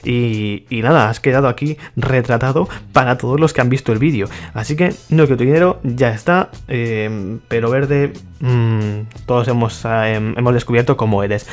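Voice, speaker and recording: A man's voice: mid-range voice, normal speed, soft background music. A man giving casual, mock-exasperated commentary on his gameplay and talking to his viewers. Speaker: gaming YouTuber.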